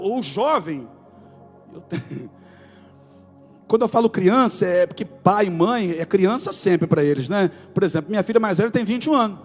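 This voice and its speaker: A man in his forties, a pastor with a Brazilian accent from Rio de Janeiro state, preaching an animated sermon in a church, moving between soft asides and loud exclamations. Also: high voice, in a large hall. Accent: Brazilian Portuguese, Rio de Janeiro state. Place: church sanctuary.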